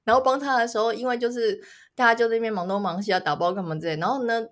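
A woman's voice: a little high, steady tone, racing, fairly bright tone. A woman co-hosting a casual chat podcast, a teasing storyteller who often bursts into laughter. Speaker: podcast co-host.

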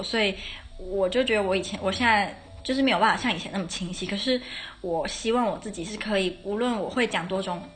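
A young adult woman hosts a casual solo podcast, chatting about her classes in a mid-range voice. She often corrects herself and laughs now and then, with slight background noise in the recording.

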